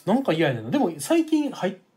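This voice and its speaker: Husky kansai dude cohosting, quick talker, lively pitch, playful. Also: male voice. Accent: Kansai Japanese. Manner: easygoing, frequent short backchannels, playful. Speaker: podcast co-host. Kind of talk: casual chat.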